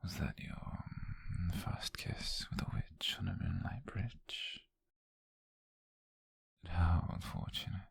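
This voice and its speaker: A man voicing a tender, flirtatious witch on a date in an ASMR roleplay, with a British accent and a soft, breathy, gravelly whisper. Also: low-pitched, heavily acted. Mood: teasing, affectionate. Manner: soft, intimate, slow and hesitant.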